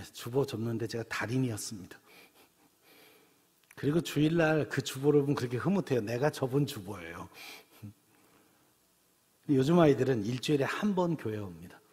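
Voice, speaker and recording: Husky-voiced male pastor preaching. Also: mid-range voice, a little mellow. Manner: conversational storytelling preaching. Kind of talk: sermon. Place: church sanctuary. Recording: church hall reverb.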